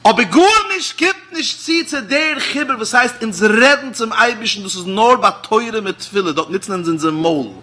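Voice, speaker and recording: A man, a rabbi with a Hasidic Yiddish accent, giving a sermon that swings between loud exclamations and low murmured asides. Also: animated, moderate pace, hardly any pauses.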